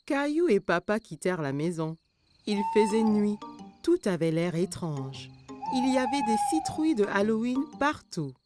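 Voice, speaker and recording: A woman narrating a children's cartoon story in a gentle, expressive storytelling manner. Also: medium pitch, moderate pace, over music, lightly acted.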